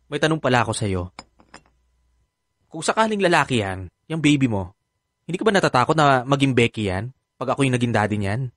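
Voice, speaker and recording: A man's voice: mid-range voice, lively intonation, brisk, long pauses, fairly bright tone, no room sound, clean studio sound, close to an everyday voice. An actor playing a sassy, dramatic, effeminate gay man in a radio drama, with a Filipino accent and campy, exasperated delivery. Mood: wary.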